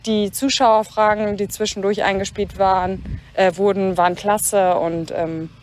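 A woman's voice: mid-range voice, level tone, a little slow, slight background noise. A woman in her twenties, a podcast listener, giving a prepared recorded message. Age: 20s.

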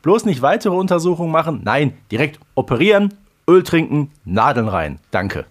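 A man's voice: fairly high pitch, big pitch swings, normal speed. A man hosting a podcast in casual chat, with many fillers. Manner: chatty, frequent fillers. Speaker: podcast host. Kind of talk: casual chat about a radio play.

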